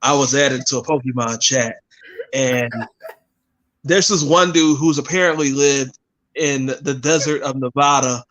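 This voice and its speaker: A man co-hosting a podcast in casual chat, relaxed and joking as he tells stories. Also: mid-range voice, a little slow. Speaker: podcast co-host.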